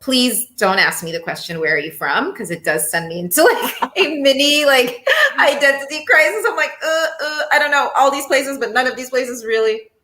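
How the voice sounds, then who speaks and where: A woman's voice: sits high, moderate pace, pushed and bright, reverberant. A young woman being interviewed, talking candidly and animatedly, laughing often. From Cape Verde and Mozambique heritage, raised in Ethiopia. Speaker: empowerment coach guest. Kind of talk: casual interview conversation.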